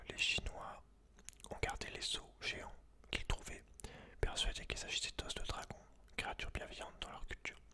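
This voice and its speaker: A man hosting ASMR in a breathy, unvoiced whisper, intimate and informal as he speaks directly to the listener. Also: very high voice. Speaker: ASMR video host. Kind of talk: whispered ASMR, reading a book aloud with casual asides.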